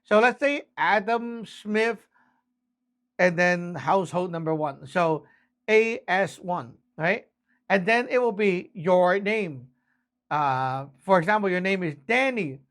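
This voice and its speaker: A man with a high voice explains things to beginners as an instructor. He talks casually and step by step, tagging his points with little check-in questions. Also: slow, a bit bright. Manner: informal, frequent tag questions like "right?" and "okay?". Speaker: instructor, channel host.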